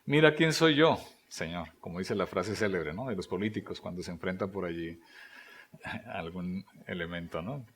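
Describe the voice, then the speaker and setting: A man preaching a sermon, asking rhetorical questions and voicing quoted prayers, his delivery swinging between loud emphasis and near-whispers. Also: deep voice, expressive, normal speed, husky. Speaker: pastor.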